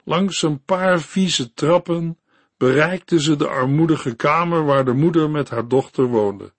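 A man narrating a Christian story in a calm, measured reading voice. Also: fairly high pitch, no room sound. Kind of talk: read-aloud Christian story.

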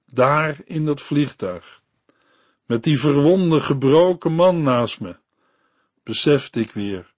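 A man reading a devotional story and sermon for a radio Bible program, in a slow, earnest storytelling manner. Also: fairly high pitch, a little mellow, no room sound.

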